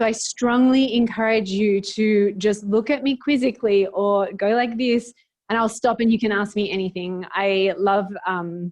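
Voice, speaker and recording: Her voice sits at a medium pitch, and its rise and fall is ordinary. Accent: Australian. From Australia, Sydney. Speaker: scientist. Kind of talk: lecture. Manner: fast.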